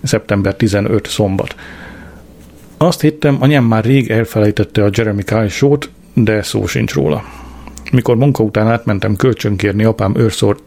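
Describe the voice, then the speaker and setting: A man's voice: lowish voice, gravelly, darkish tone. A man reading a diary-style story aloud as an audiobook narrator, with a dry, wry delivery.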